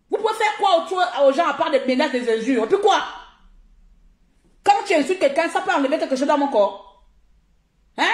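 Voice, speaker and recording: High-voiced Gabonese woman ranting angrily. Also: darkish tone. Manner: confrontational, scolding, repeats herself for emphasis. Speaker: social media live streamer. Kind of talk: heated live-stream rant. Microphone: phone. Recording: echoey room.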